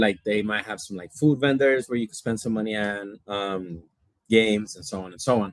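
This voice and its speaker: Ordinary pitch variation marks this man's fairly quick delivery. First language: not English. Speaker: financial education livestream host. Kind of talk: live stream talk. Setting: live stream on Facebook and YouTube. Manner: casual, repetitive with fillers.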